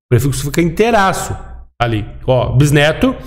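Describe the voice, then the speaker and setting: Male teacher, slightly high voice, patient and explanatory, video lesson delivery. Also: sing-song, moderate pace. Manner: explanatory, checks in often with "tá?". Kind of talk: recorded grammar lesson.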